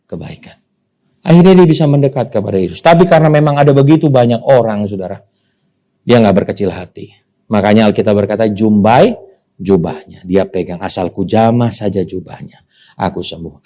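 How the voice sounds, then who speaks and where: Indonesian pastor preaching with a mellow voice. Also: male voice, on the low side, brisk. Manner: animated preaching, calls to the congregation. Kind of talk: sermon.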